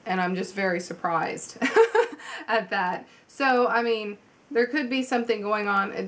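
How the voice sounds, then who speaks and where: A woman with a slight cold reading tarot at home in a chatty, halting way, with many ums and restarts. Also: fairly low pitch. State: has a cold, slightly congested. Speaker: tarot reader. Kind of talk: casual video tarot reading.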